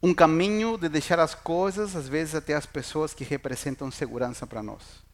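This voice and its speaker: A man's voice: on the high side, moderate pace. A middle-aged man preaching in Portuguese, a pastor who jokes with the congregation and asks them questions. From Chile. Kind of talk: sermon.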